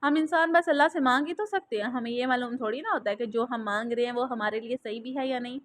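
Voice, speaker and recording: Gentle old male cleric, instructive and soothing, read by a woman, brisk delivery. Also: on the high side, lightly acted. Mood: consoling. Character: gentle elderly male mosque cleric giving counsel.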